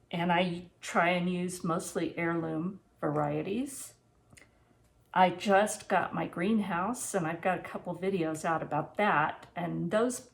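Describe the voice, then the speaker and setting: A woman in her sixties talking casually to camera in a home kitchen, plain-spoken and practical, as a vlogger giving advice and reviews. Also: lowish voice. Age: 60s. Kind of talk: casual talk to camera about preparedness and a product review.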